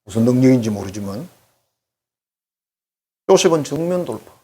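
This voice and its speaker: Husky, animated pastor preaching. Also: male voice, mid-range voice, normal speed. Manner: animated, addresses congregation directly, acts out quoted voices. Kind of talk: conversational sermon.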